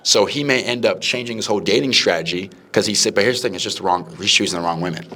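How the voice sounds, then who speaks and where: A young man hosts a relaxed podcast conversation with a deep yet bright, forceful tone. He talks in an animated way and jumps into playful imitations of the people he describes. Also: quick pace. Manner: animated, acts out quoted people in raised voices. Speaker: podcast host. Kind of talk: casual podcast chat.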